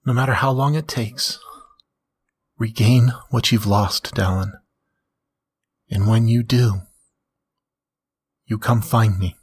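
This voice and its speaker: A tender young catlike woman, as a man reads her, her voice pitched up from a low husky base. She speaks softly and earnestly. The reading is close and intimate. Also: fairly even intonation, takes it slowly, long pauses. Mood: tender farewell. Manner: soft, earnest, heartfelt. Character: tender young female feline, loving and sad.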